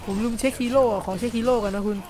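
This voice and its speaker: A man with a high voice giving excited, casual play-by-play commentary over a video game, full of exclamations. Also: very fast. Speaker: gameplay commentator.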